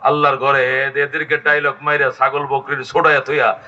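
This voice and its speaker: A man's voice: mid-range voice, flat delivery, brisk, sharp tone. A man preaching a sermon in a Bangladeshi Bengali accent, telling the story dramatically and acting out the dialogue. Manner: dramatic storytelling that acts out the dialogue, with sing-song prayer passages. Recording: dull lo-fi recording.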